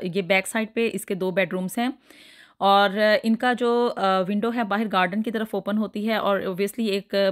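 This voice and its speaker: A woman talks through a house tour as a voice-over, pitched at an ordinary middle height for a woman. She explains every room in detail, stopping often on "uh" and breaking off words to start them again. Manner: explanatory, repeats herself, many hesitations. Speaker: vlogger giving a house tour. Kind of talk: voice-over narration of a home tour.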